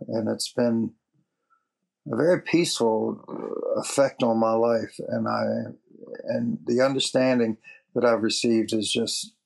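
Gravelly earnest man sharing his faith. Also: fairly low pitch, darkish tone, low-quality recording. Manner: earnest, halting with restarts. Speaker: church member giving a testimony. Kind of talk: personal faith testimony.

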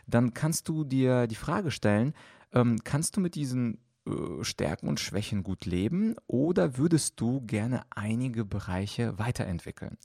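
A man's voice: lowish voice, vocal fry, a little mellow, dry recording, clean studio sound. A man speaking as a coach, explaining at length with many fillers on a podcast answering listener questions.

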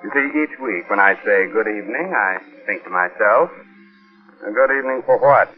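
Actor as deep ghoulish old radio announcer host. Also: male voice, moderate pace, close to an everyday voice. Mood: sly, gleeful. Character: ghoulish male horror host, slyly menacing. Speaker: horror show host. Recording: muffled 1940s radio recording with music.

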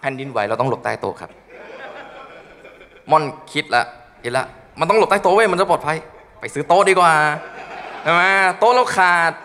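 A young man doing crude, animated stand-up storytelling on a comedy studio stage, acting out his friends' voices. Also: a little high, a little fast, pauses often, slight background noise. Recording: long hall reverb.

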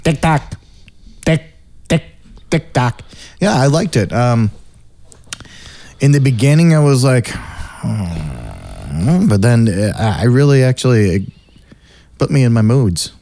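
A man's voice: medium pitch, normal speed, long pauses, mellow, dry recording. A man hosting a podcast, talking in a casual, rambling way with many fillers. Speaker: podcast host.

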